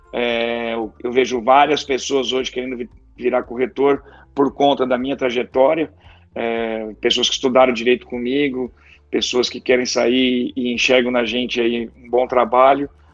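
The speech moves at a moderate pace in a monotone, flat intonation, with big swings in loudness. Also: man, medium pitch for a man. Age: 40s. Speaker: real estate broker. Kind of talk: interview. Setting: remote call.

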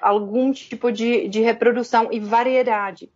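A woman speaks at a moderate pace with a high pitch and a Czech accent. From Czech Republic. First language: Czech (speaking Portuguese). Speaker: anthropologist, professor. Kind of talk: interview.

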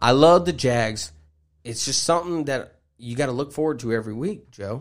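Speaking at a fairly quick pace in a Southern US accent, the voice has lively intonation on a very clean recording with a silent background. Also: man. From Georgia, US South. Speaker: podcast host, sports betting and fantasy. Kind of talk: comedic mock press conference monologue. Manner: animated, humorous.

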